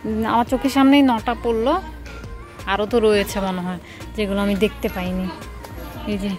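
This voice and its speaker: A woman's voice: mid-range voice, brisk. Young female vlogger, Bangladeshi Bengali accent, casual running commentary on chores, music bed under her. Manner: chatty, narrates her daily chores as she goes. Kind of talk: casual vlog narration.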